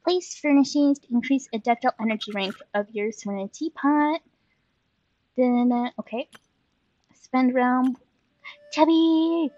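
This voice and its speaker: High-voiced, playful woman streaming a game. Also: measured pace, pauses often, highs cut off. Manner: playful, giggly. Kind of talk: casual gaming commentary with a friend. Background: soft game music.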